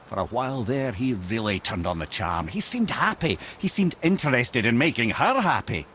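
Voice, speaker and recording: An actor voicing an eloquent, wry old Scottish sage, telling stories in a theatrical, measured way as a video game character. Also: male voice, mid-range voice, very animated, fairly bright tone, slight background noise. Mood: fond, storytelling. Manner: theatrical, wordy, measured storytelling with wry asides. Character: wry, eloquent old male sage and former royal advisor, storyteller.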